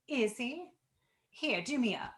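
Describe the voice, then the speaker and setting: A woman's voice: fairly high pitch, animated, slow, a bit bright. A woman voicing a reckless, flippant young rebel daughter in a screenplay table read. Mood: flippant, teasing.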